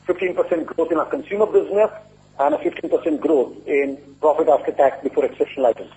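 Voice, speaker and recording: A man speaking as a company executive, giving a formal, measured and deliberate earnings presentation. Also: a little high, warm tone. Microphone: conference call line. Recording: muffled lo-fi conference call audio.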